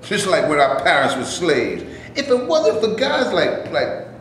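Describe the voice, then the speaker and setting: A man's voice: fairly high pitch, wildly swooping pitch, unhurried, a bit bright, heavily acted. A man playing an indignant 1930s Black actor. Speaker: actor in a staged reading. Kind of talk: staged play reading. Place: stage before a live audience. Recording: very echoey room, faint noise.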